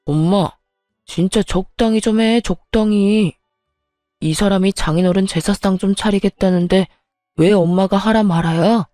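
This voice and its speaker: A woman's voice: mid-range voice, moderate pace, dark tone, no room sound, clean studio sound, soft background music, lightly acted. A woman voicing a husband who talks firmly and bluntly in defense of his wife. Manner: firm, blunt talk.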